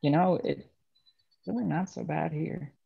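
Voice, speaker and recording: A man playing a bitter young railroad worker in a dramatic table read, speaking in a halting, understated way. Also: a little high, vocal fry, slightly rough, lo-fi sound, full character voice. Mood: defensive. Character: bitter young railroad man estranged from his ruthless father.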